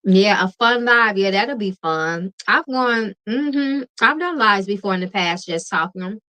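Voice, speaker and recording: A woman hosting a late-night tarot livestream, chatting casually with viewers in a relaxed, calming voice and laughing often. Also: mid-range voice, unhurried, poor audio. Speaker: tarot reader and livestream host.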